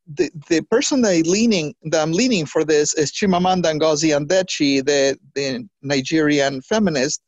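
A trans woman talking as a podcast guest, animated, with quick restarts and acted-out quotes. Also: low voice, no echo, lo-fi sound. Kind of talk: conversational interview.

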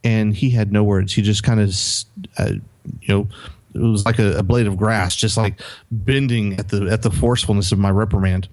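Man, middle-aged, podcast co-host, lowish voice, halting speech, casual storytelling. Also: fairly even intonation, darkish tone. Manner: halting, many restarts, storytelling with acted-out quotes.

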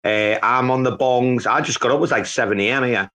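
A man's voice: mid-range voice, a little fast, pushed and bright. A man hosting a casual live chat, telling a rambling story full of swearing.

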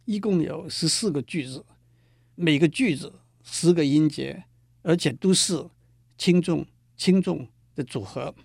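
A man giving a slow, careful lecture on poetry and reading verses aloud. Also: fairly high pitch, gravelly, no echo, studio quality.

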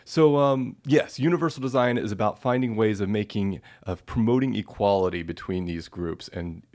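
A man's voice: lowish voice, moderate pace, a little mellow. A man being interviewed as a researcher, explaining ideas patiently with simple everyday examples and often checking in with "right?". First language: English. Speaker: guest researcher.

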